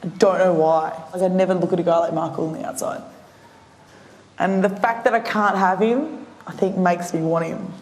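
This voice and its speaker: A woman's voice: lowish voice, fairly even intonation, moderate pace, a little mellow. Gushing, chatty woman in an echoey room. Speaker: reality show contestant. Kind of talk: casual confession.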